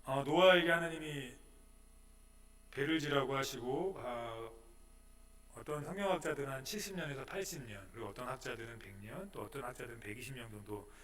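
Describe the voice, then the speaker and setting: A male pastor preaching a sermon, asking questions and moving between soft and loud. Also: medium pitch, fairly quick, distant mic. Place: church sanctuary.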